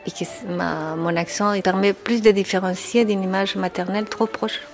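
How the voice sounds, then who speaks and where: A woman from Chile with a strong Chilean Spanish accent, a native Spanish speaker, answering interview questions in French as a psychoanalyst, speaking in a reflective, measured way with frequent hesitations. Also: medium pitch, fairly even intonation, faint music behind. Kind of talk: documentary interview.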